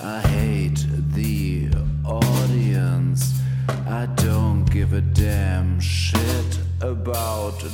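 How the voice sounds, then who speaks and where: Burnt out rock star, loud and hateful, drags every word super slow, radio play. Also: male voice, on the low side, reverberant, in a large hall, over loud music. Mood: weary contempt. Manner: very drawn-out, loud, scornful. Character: weary, contemptuous rock star who hates everyone. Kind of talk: English stage rant in radio play.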